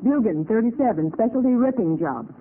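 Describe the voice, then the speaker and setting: Actress as female detective's assistant, brisk, matter-of-fact, lively, 1940s radio drama, tinny scratchy recording. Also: fairly high pitch, close to an everyday voice. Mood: businesslike. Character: crisp, loyal detective's assistant.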